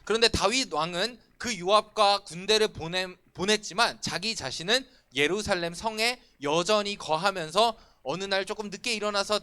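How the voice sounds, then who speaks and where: Bright-voiced lively young male preacher. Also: high-pitched, moderate pace, few pauses, smooth. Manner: lively, conversational, asks questions and answers them. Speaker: youth pastor. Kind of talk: sermon to teens. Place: church sanctuary.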